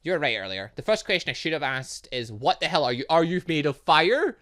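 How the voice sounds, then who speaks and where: A man's voice: on the high side, sing-song, a little fast, fairly bright tone. A man hosting a game playthrough, reading dialogue aloud and commenting in a theatrical, exclamatory way. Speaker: gaming video host.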